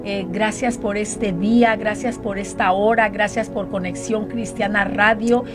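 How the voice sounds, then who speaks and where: A woman hosts a Christian radio show, with soft music playing faintly behind her. She talks casually and leads fervent prayers, full of fillers and repeated calls to the Lord. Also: mid-range voice, steady tone, measured pace. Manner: fervent praying, many fillers.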